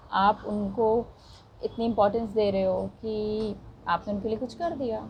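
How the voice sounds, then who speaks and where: Soft-spoken, a woman talks at a moderate pace in a fairly high pitch. Her intonation is fairly even. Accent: Indian. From India. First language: Hindi. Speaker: vlogger. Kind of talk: casual talk to camera.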